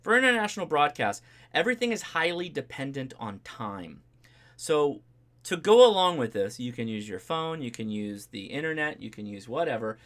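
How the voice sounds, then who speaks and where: A man's voice: mid-range voice, a bit bright. Casual man explaining gear on a livestream. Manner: informal, chatty, explanatory, checks in with "right?" and "okay?". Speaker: host of a ham radio livestream. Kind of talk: casual live demonstration and tutorial.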